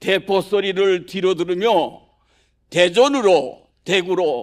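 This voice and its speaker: Here a man speaks at a very slow pace in a high pitch. The recording is very clean, with a silent background. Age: 80s+. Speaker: pastor. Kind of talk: sermon. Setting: church.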